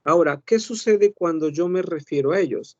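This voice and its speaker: A man's voice: on the high side, normal speed, dry recording, lo-fi sound. A man teaching an online French class, explaining patiently with rhetorical questions and frequent self-corrections.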